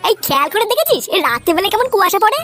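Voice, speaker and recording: A man's voice: extremely high pitch, big pitch swings, rapid-fire, a bit bright, soft background music, exaggerated voice. A man voicing a chatty, gossipy club friend in a comedy cartoon.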